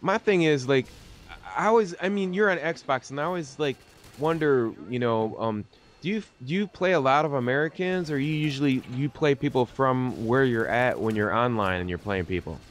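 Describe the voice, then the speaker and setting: A man's voice: medium pitch, normal speed. Chatty, slangy man hosting a gaming video. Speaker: host of a gaming video series. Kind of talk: casual interview over game commentary.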